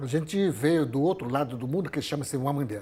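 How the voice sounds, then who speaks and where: Somewhat breathy speech with lively intonation comes in a northern Brazilian accent. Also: man. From Brazil, Rio Negro, Amazon. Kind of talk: interview. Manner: halting.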